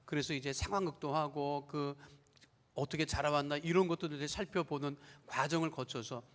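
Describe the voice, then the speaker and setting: High-voiced pastor preaching in a reverberant church. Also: male voice, fairly bright tone. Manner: storytelling, acts out quoted family members. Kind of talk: sermon. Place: church sanctuary.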